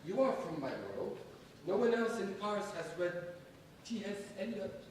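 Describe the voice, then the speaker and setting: A man in a staged reading playing a domineering, menacing secularist strongman, emphatic and theatrical, with deliberate pauses. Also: high-pitched, expressive, distant mic. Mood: impassioned. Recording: echoey stage from afar, faint noise.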